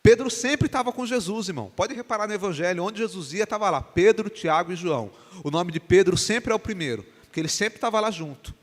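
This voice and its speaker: A male pastor from Brazil preaching with animated energy and acting out the dialogue as he goes. His voice sits high for a man. It rings through a church sanctuary with a long reverb. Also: a little fast. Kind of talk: sermon.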